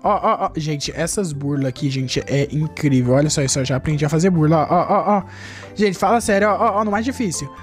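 A man from Brazil giving excitable gameplay commentary as a YouTuber, chatting nonstop to his viewers and jumping high in pitch when something surprises him. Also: a little fast, faint music behind. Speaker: gaming YouTuber.

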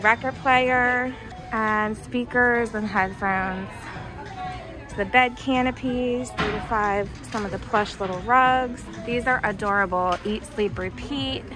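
A young American woman, a shopping vlogger, gushes over items inside a discount retail store, speaking slowly in a fairly high voice with fairly even intonation. She holds the camera or phone herself, and music plays in the background.

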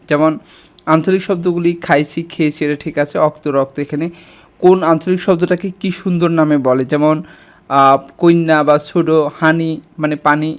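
A man giving an exam-prep lesson to school students, speaking directly to them and pausing with fillers as he explains. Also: a little high.

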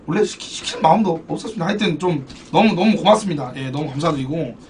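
A man's voice: on the high side, quick pace, distant mic, slight background noise. A man streaming a football card game, chatting casually with viewers, thanking donors and swearing in banter. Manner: animated, swearing, bantering with chat. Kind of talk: casual live-stream chat.

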